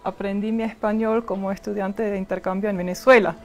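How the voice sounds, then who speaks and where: A woman from Switzerland, an ambassador, speaking slowly pauses. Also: mid-range voice, level tone. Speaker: ambassador guest.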